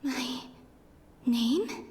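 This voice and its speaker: A wistful, hesitant young maiden from a video game. Her voice is high, soft and breathy, drifting along slowly and sounding distant. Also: animated, noisy background, full character voice. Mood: wistful, hushed.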